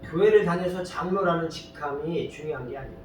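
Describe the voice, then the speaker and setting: A man preaches in a large church hall, his fairly high voice bouncing around the room from some distance off the mic. He talks in a loose, storytelling way and keeps throwing questions at the congregation. A faint rumble hums underneath. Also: brisk. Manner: fires rhetorical questions and prods listeners with "eh?". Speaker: pastor. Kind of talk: sermon.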